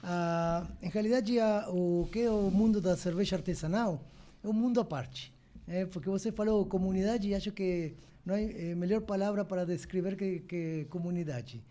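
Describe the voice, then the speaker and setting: This man speaks with an Argentine accent, stopping often as he searches for words. His voice sits high for a man, with a dark, mellow tone. He talks as a guest in a podcast interview. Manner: halting, searching for words, frequent pauses. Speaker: brewery owner guest.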